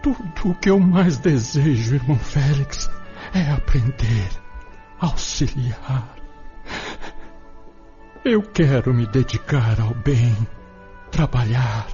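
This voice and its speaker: Penitent spirit, anguished and humble, swooping slow delivery, muffled with music behind. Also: male voice, medium pitch, animated, dark tone. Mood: tearful devotion. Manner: pleading, halting. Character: humble, anguished repentant male spirit begging to serve. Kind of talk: radio drama acting. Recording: dull sound with music underneath.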